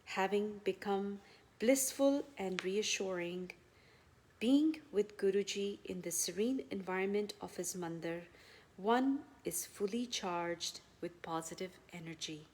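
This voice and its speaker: A woman reading a scripted devotional testimonial aloud, phrase by phrase, starting phrases firmly and letting the endings trail off softly. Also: mid-range voice, measured pace, a little hiss or hum.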